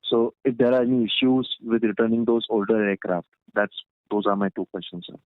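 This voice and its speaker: A man's voice: fairly low pitch, level tone, a little fast. A man speaking as an analyst, asking questions politely and deferentially on a conference call, often repeating words. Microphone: telephone line. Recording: roomy, echoing phone-like line.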